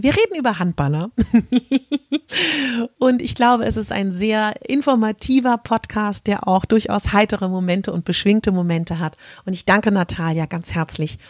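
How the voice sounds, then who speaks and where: A woman hosting a casual interview podcast, chatting with her guest in an apartment in a lively conversational way. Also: mid-range voice. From Germany. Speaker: podcast host.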